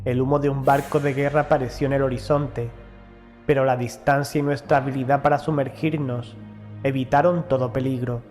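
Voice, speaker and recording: A man reading a first-person horror story as an audiobook narrator, in a measured, formal storytelling delivery. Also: mid-range voice, level tone, darkish tone. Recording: music behind the voice. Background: background music.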